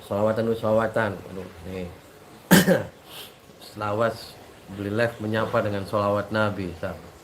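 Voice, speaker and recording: A man's voice: on the low side, fairly even intonation, normal speed, a little hiss or hum. Stuffy-nosed man with a Cirebon accent. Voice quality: hoarse. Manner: rambling, repetitive, jokey. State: nasal, blocked nose. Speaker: religious teacher and channel host. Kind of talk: casual talk to subscribers with sung prayers.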